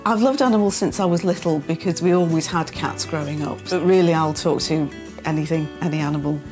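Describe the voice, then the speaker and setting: Woman, middle-aged, low voice, chatty and relaxed, casual interview, background music. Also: brisk. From Liverpool, England. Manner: chatty, relaxed, some hesitations. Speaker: house buyer.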